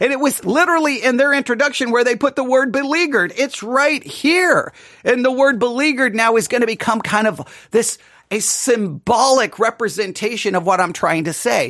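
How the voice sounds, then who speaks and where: A man speaks at an extremely high pitch and a moderate pace. His intonation is lively and his tone animated. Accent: American. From Texas. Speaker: theology podcast host and teacher. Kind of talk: theology lecture. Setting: studio.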